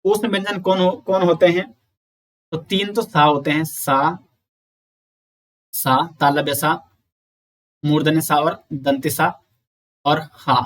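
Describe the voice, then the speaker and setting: A man giving an exam-prep lecture, explaining slowly, repeating sounds and counting aloud. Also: fairly high pitch, fairly even intonation. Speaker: teacher.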